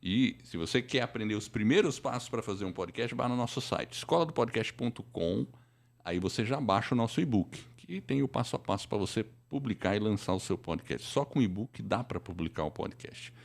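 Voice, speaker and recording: Brazilian guy hosting a podcast live, lowish voice, chatty and talking to viewers. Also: animated, a little fast, creaky. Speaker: podcast host and teacher. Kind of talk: conversational live-show hosting.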